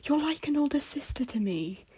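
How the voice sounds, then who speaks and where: A woman playing an anxious, loyal young prince in an audio drama, earnest and breathy, moving between hushed and urgent. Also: high-pitched, expressive, moderate pace. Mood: worried. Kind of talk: intimate audio drama acting.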